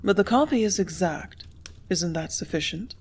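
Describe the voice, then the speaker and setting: A woman reading the part of a composed young office clerk who answers quietly, firmly and tartly. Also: fairly low pitch, expressive, normal speed, husky. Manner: quiet, firm, tart.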